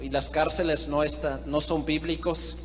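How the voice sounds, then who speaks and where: Noticeable background noise and audible room echo surround a man speaking with a Swiss accent. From Switzerland. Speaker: missionary guest preacher. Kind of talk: sermon. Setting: church. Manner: halting.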